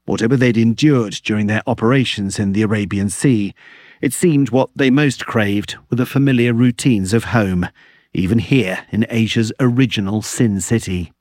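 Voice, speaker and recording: A man reading a scripted radio dispatch as a foreign correspondent, in a measured, wry way. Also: fairly low pitch, a little mellow, no echo, studio quality.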